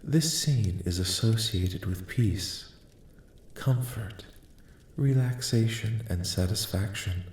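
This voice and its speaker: A man voicing a calm, curious alien in an ASMR roleplay, speaking softly with formal, detached, precise wording. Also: fairly low pitch, slow pace, reverberant, a little hiss or hum. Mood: calm, clinical. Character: calm, curious, clinical male alien studying human dreams. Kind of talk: soft-spoken ASMR roleplay, scripted.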